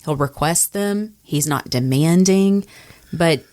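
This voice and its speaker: A woman's voice: low voice, takes it slowly, darkish tone. A woman telling work stories in a casual podcast conversation, speaking in a candid, reflective way as a radio personality.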